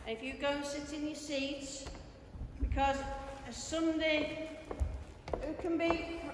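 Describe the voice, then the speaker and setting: A woman's high-pitched voice, in monotone, flat intonation, comes with audible room echo and noticeable background noise. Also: fairly slow pace. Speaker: church minister. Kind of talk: instructions to children during a service. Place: church. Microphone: camera far.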